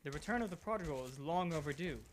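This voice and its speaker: A woman playing a brisk, confident gentleman detective who talks formally in a radio mystery play. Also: deep voice, animated, background noise. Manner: formal, assured, explanatory. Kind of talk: old-time radio mystery theatre acting.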